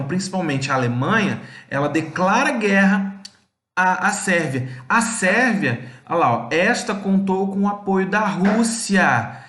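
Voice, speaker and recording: A man's voice: high voice, fairly bright tone, reverberant, a little hiss or hum. A male history teacher with a Brazilian Portuguese accent, explaining a lesson and asking himself questions, with many restarts and fillers. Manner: explanatory, poses and answers his own questions. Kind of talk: recorded classroom lesson.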